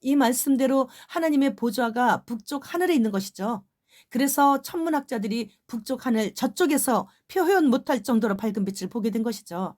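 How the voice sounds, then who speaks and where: Higher-voiced woman pastor preaching. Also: expressive, a little fast, a little mellow. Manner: conversational preaching with rhetorical questions. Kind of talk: testimonial sermon.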